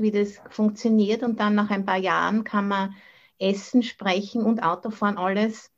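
Austrian woman giving a casual buddhist talk, mixes in english words, kinda muffled lo-fi zoom sound. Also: medium pitch. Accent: Austrian German. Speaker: Buddhist nun and meditation teacher. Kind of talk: informal dharma talk. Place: online video call from the monastery. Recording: dull, band-limited video call audio.

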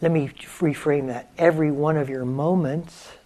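A man in his seventies leading a guided meditation, gentle and unhurried, with long pauses between phrases. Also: on the high side, steady tone. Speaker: meditation teacher.

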